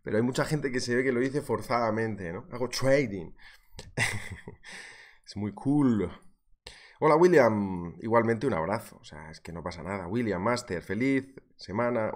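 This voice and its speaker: A man runs a live trading lesson, his voice on the low side. He jokes easily, reads viewer messages aloud and keeps a chatty, informal teaching manner. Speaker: trading instructor.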